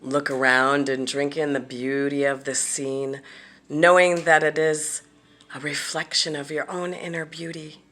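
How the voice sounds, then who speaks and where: A woman guides a meditation at a very slow pace, in a slightly low voice. Her delivery is gentle and deliberate, leaving long pauses between phrases, some of them softly breathed. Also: level tone. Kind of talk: guided visualization, soothing meditation narration.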